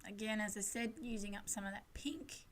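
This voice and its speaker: A woman's voice: mid-range voice, a little fast, slight background noise. A woman giving a casual, chatty and rambling scrapbooking voice-over as the host, with a self-deprecating way of talking. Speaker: craft channel host.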